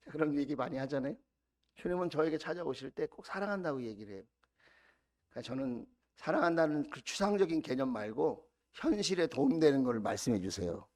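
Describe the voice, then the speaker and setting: A middle-aged man preaching as senior pastor, building to loud repeated cries and dropping to soft, intimate storytelling. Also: on the high side. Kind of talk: sermon.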